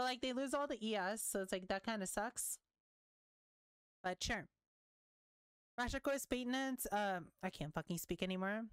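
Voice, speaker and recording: A young woman giving casual commentary while reading patch notes, chatty and quick to react, swearing now and then, her voice wearing thin. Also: a little high, fairly bright tone, clean tone, no echo. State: losing her voice. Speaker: gaming content creator.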